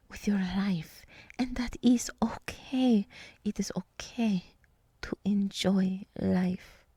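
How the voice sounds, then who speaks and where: A soft, slow-speaking deer woman, played by a woman in an ASMR roleplay. She half-whispers with a breathy, husky edge, close and dry. She is nurturing and encouraging, leaving soothing pauses between phrases. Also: mid-range voice, no echo. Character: gentle, nurturing deer woman, encouraging forest monster girl.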